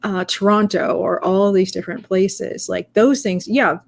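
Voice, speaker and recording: A woman's voice: mid-range voice, measured pace, creaky. A young woman in casual discussion, talking in a rambling way with many fillers and restarts.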